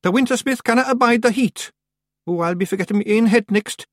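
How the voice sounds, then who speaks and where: A man's voice: high voice, a little fast, no room sound, clean studio sound, voice pushed up, close to an everyday voice. A man voicing a boastful, rambling little fairy clansman with a Scottish accent in a storybook. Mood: brisk. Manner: blustering, rambling, emphatic. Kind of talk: acted storybook dialogue.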